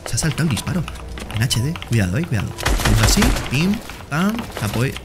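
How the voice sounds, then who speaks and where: Excitable young gaming streamer. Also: male voice, medium pitch, fast, very noisy. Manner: excitable, talks to viewers as "señores" and "tío", jokey. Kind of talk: excited gameplay commentary.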